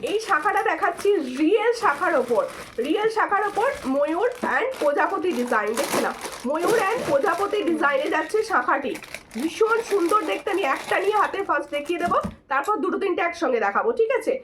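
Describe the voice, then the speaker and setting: A woman with a hoarse voice hosting a live jewelry sale, chatty and repetitive, thanking viewers and urging them to take screenshots. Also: very high-pitched, expressive, a little fast, noisy background. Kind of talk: live-stream sales pitch.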